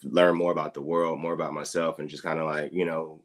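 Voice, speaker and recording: A man in his thirties from the US Midwest, a guest explaining things in a relaxed, unhurried way with many fillers. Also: extremely low pitch. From Dayton, Ohio, US Midwest. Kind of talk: casual interview talk.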